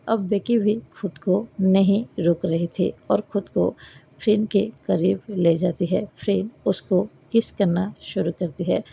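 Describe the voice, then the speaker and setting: A woman narrating a romance story, telling events in a steady storytelling manner. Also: mid-range voice, vocal fry, husky, poor audio.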